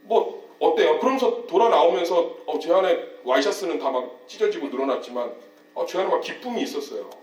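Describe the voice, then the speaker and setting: A man delivers a sermon with a high, very lively voice that rises and drops as he acts out quoted people. He is heard from a distance in a roomy church hall. A low mains hum runs underneath. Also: fairly quick. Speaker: pastor. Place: church sanctuary.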